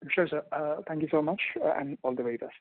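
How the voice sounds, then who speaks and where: A man's voice: fairly high pitch, fast, no room sound. A man asking questions as an analyst on an earnings call, deferential and a little hesitant. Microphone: phone. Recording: dry, tinny phone line.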